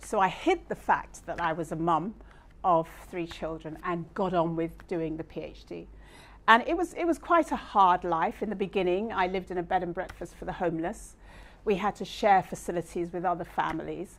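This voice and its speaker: On a very clean recording with a silent background, a woman speaks at a moderate pace with fairly low pitch, vocal fry, fairly even intonation and big swings in loudness. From Nigeria, early childhood in Hackney, London. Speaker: professor of pharmaceutical science. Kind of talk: motivational talk to students.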